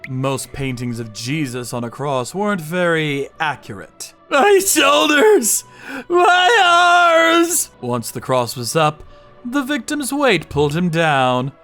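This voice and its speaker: A man giving scripted, dramatic first-person narration for a manga dub in a deliberate, grim manner. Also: medium pitch, sing-song, a bit bright, soft background music. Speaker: narrator and lead character, a torture sommelier.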